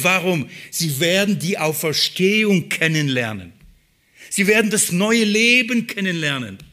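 Bright-voiced man preaching, hushed to emphatic. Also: fairly high pitch. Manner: expressive, swings between hushed and emphatic. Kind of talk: sermon.

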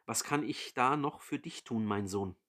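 A man voicing an old blind father who gives a solemn, measured blessing. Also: medium pitch, fairly bright tone, lightly acted. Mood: grave.

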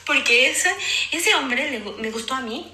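A Mexican woman in her twenties, telling a story in casual chat, animated and dramatic, acting out what people said. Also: high-pitched, normal speed. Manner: animated, dramatic retelling with acted-out quotes. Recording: echoey room.

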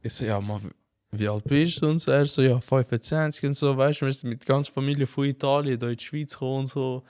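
The dry, clean studio recording captures a young podcast host with a Swiss German accent, an Albanian from Macedonia, telling a casual story. He speaks at medium pitch and a quick pace, animated and slangy, dropping filler tags often.

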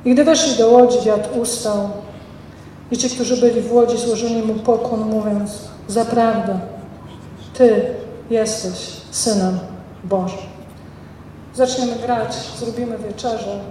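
A woman pastor preaches with a high, bright-pitched voice that rings through a church hall. She reads scripture and then retells it with emphatic, expressive preaching. The mic sits well away from her, so long reverb and faint room ambience surround every phrase. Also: measured pace, long pauses, far from the mic, slight background noise. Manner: ends in prayer. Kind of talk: sermon.

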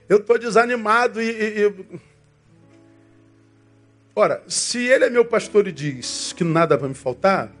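Brazilian pastor guy preaching, pretty high voice, chatty, keeps asking the church stuff and saying brother. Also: expressive, unhurried, pauses often, soft background music. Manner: conversational, calls listeners "irmão", asks them questions. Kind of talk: sermon.

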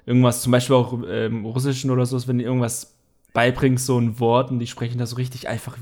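Young man, podcast co-host, relaxed rambling chat, filler-heavy. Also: medium pitch, fast talker.

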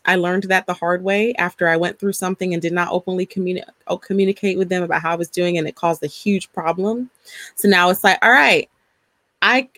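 A woman in her thirties talking candidly in a casual conversation, animated and laughing often. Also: lowish voice, no room sound. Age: 30s.

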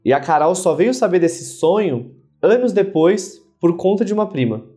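A man with a somewhat high voice narrates a documentary from a script. He sounds grave and personally moved. Soft music plays underneath. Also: animated, normal speed.

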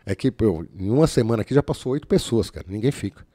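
A man's voice: on the low side, fast. A man from São telling a story in casual, slangy talk, acting out the voices. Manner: animated, slangy, acts out voices. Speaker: guest.

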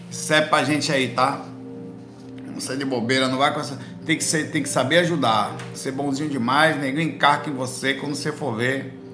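A man with a Pernambuco accent from northeast Brazil, telling stories to camera in animated, slangy bursts. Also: medium pitch, roomy sound. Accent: Pernambuco Portuguese. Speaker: spiritual vlogger answering viewers. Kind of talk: casual talk to camera. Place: indoor room with a light behind him.

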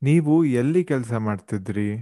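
A man with a Kannada accent gives a language lesson in a mellow voice. He fires off phrases very quickly, then explains and repeats them word by word. The sound is close and dry. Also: mid-range voice, lively intonation, dry recording. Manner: explanatory, repeats words deliberately. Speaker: language teacher on a podcast.

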